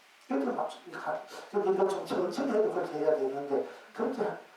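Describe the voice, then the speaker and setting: With audible room echo and noticeable background noise, a man speaks with very wide pitch swings. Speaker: Buddhist Zen master. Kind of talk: sermon. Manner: halting.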